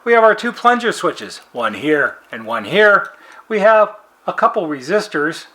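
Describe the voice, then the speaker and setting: Higher-pitched man explaining a repair. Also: big pitch swings, unhurried, bright, forceful tone, slight background noise. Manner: plain-spoken, methodical, explanatory. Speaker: repair technician presenting a how-to video. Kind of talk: casual hands-on instructional demonstration.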